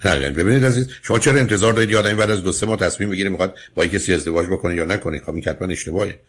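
A man's voice: deep voice, husky. A man hosting a radio call-in advice show, firmly lecturing and questioning a caller. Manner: firm, lecturing, interrupts with questions.

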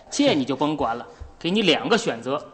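Cocky Tianjin constable. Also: male voice, fairly high pitch, big pitch swings, moderate pace, long reverb tail. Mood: gloating. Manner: cocky, brash, teasing. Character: swaggering young male town constable. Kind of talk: TV sitcom acting.

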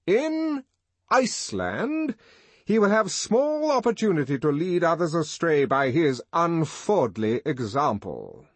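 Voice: medium pitch, very animated, slow pace, breathy edge, dry recording, pitched above the performer's own voice, full character voice. A reader voicing a pompous middle-aged male director who declaims sternly, majestically and indignantly, in the manner of an audiobook. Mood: pompous denunciation.

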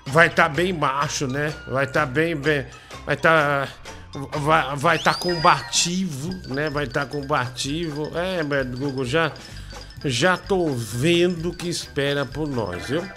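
The host of a comic radio show, a man with a Brazilian Portuguese accent, takes it slowly in a voice on the high side. His banter is mocking, teasing and repetitive, and music plays under him.

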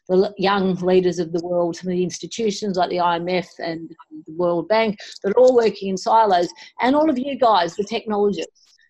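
A woman's voice: mid-range voice, darkish tone, low-quality recording. A woman answering interview questions at a conference, earnest and determined, with many restarts. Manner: earnest, frequent restarts and fillers. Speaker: guest.

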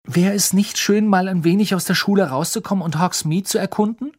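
Bossy clever schoolgirl witch as a man puts her on, raised pitch, sharp insistent tone, storybook reading. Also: fairly quick. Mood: eager.

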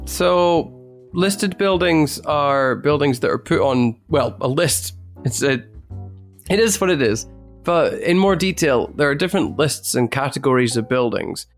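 Measured man explaining English over soft music. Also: fairly high pitch, expressive. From Scotland. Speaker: co-host and English teacher. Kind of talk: conversational language lesson.

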